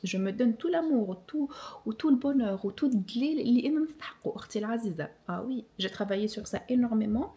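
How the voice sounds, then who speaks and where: A woman's voice: on the high side, lively intonation, a little fast, dark tone. A young woman with a Tunisian accent, chatting casually and reflectively as a vlogger, switching freely between Arabic, French and English as she answers viewers.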